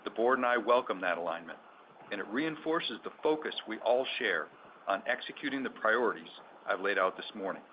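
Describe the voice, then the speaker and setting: A man speaking as a chief executive delivers formal, measured, scripted remarks on an earnings call. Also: lowish voice, animated. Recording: dull conference audio with background noise.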